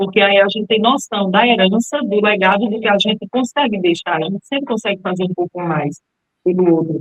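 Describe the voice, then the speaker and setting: In a Pernambuco accent, a woman talks at a fairly quick pace with ordinary pitch variation. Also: medium pitch for a woman. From Pernambuco, Brazil. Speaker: consultant and municipal secretary. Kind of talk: podcast interview. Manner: hesitant fillers.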